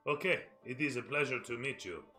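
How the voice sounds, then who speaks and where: A man's voice: mid-range voice, animated, a little fast, bright, forceful tone, faint music behind. Man playing a polite, skeptical workshop man, roomy sound. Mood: courteous, probing.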